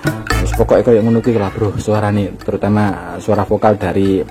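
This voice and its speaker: A man's voice: on the low side, fairly even intonation, fairly quick, over music. A man with a Javanese-region Indonesian accent giving an informal DIY explainer in a chatty, colloquial way, as if talking to a buddy. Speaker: DIY electronics video host.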